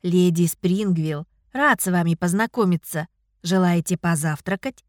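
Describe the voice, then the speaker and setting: A woman's voice: on the low side, a little slow, no echo, clean studio sound, pitched below the performer's own voice, lightly acted. Woman doing a polite, condescending male cook. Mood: courteous. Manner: formal, courteous, patronizing. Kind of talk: audiobook character voice.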